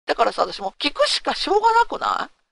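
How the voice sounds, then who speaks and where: A woman with a high, gravelly voice talks fast while hosting a talk segment, recorded with no echo. Her personal story comes out candid and casual, delivered with frank animation and rhetorical questions to listeners.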